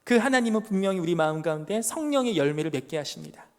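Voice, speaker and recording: A man in his thirties preaches to young adults, his pitch rising and falling in a lively, animated way. He drives his points home with pointed rhetorical questions and stories from his own family. His voice rings out with a long reverb through the church sanctuary. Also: quick pace. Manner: emphatic rhetorical questions and personal family anecdotes. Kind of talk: sermon.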